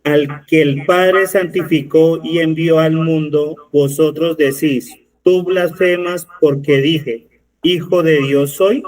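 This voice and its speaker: Man reading scripture slowly and carefully. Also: fairly high pitch, steady tone, darkish tone, low-quality recording. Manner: careful and measured, corrects himself when reading. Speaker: congregation member reading scripture aloud.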